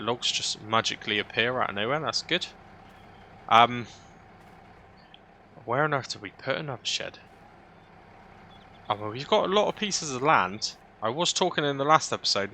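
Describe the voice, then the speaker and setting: A man's voice: medium pitch, bright, forceful tone. A British man giving casual gameplay commentary, thinking aloud chattily and often tagging questions onto his own remarks. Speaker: gaming video host. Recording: noisy, vehicle-like engine ambience.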